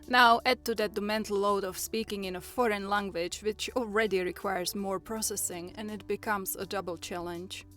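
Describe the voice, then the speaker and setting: A woman's voice: mid-range voice, fairly even intonation, fairly bright tone, faint music behind. Earnest Czech-accented woman vlogger. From Czech Republic. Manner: earnest and encouraging, with measured phrasing. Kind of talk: personal, reflective vlog talk.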